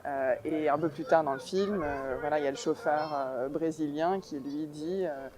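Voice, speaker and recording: A woman in her thirties from New York, a documentary filmmaker giving a thoughtful interview answer, pausing often to search for words. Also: deep voice, a crowd in the background. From New York, United States.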